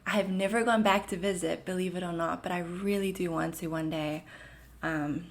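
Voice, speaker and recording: A woman in her thirties from South Africa, with a South African accent blended with Canadian, hosting a solo podcast in a gentle, reassuring and chatty way, full of "like" and "um". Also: fairly low pitch, steady tone, normal speed. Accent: South African mixed with Canadian. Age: 30s. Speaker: podcast host. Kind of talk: casual solo podcast talk.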